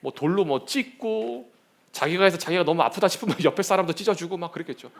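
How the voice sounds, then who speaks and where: A young man preaching a lively sermon to young people, telling stories and acting out the scenes. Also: sits high, fast, vocal fry. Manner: animated storytelling, shouts and acts out scenes. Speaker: youth pastor.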